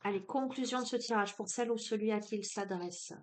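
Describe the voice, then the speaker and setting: A woman's voice: medium pitch, a little fast. A woman with a southern French accent, giving a spiritual card reading. She talks hesitantly with many fillers, then turns emphatic. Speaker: oracle card reader.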